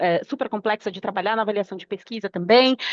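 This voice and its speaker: A woman's fairly high voice in a São Paulo interior accent, with fairly even intonation and a dry, close sound with no echo. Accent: Campinas accent (interior São Paulo). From Brazil, Campinas (São Paulo state). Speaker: research policy program manager. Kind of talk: conference talk. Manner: many filler hesitations.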